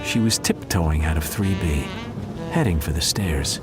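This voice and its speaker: A man's voice: very deep voice, measured pace, music in the background. A man playing a sleek, self-assured black cat detective who narrates an audio drama in smug noir style.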